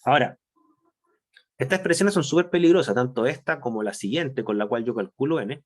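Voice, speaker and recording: A man gives an online university chemistry lecture at an ordinary pitch, explaining each point with patience. He slows down to stress the important parts and often adds quick tag questions to make sure students are keeping up.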